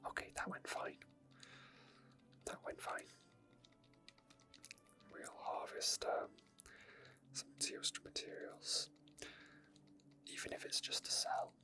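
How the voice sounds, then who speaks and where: A person whispering softly, very close to the microphone, in unscripted ASMR game commentary and chat. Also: slow, pauses often, soft background music. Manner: soft whispering throughout. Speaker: ASMR gaming video creator. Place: indoor gaming setup at a computer. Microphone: microphone very close to the mouth.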